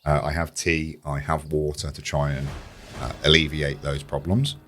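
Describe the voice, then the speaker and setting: A man giving chatty, enthusiastic commentary as a let's play host, slightly croaky from a sore throat. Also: extremely low pitch, flat delivery, normal speed, a bit bright, a little hiss or hum. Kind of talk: casual video game commentary.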